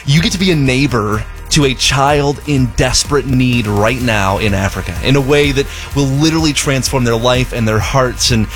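A man's voice: mid-range voice, normal speed, few pauses, fairly bright tone, faint music behind. A man from Zimbabwe, a charity spokesman, telling a heartfelt story in a radio fundraising appeal, often repeating words as he goes.

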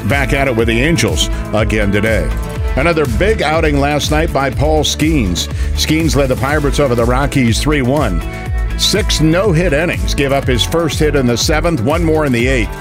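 Brisk man reading radio sports. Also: medium pitch. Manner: brisk, punchy newsreader delivery. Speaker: sports reporter. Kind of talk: read sports report. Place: radio studio.

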